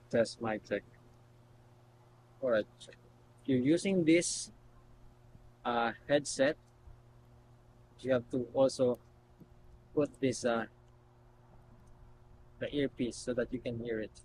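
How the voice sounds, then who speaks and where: A man doing a casual, unscripted product demonstration, explaining step by step in a halting way. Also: medium pitch, a little mellow, poor audio. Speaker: product reviewer. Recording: noticeable background noise and hum.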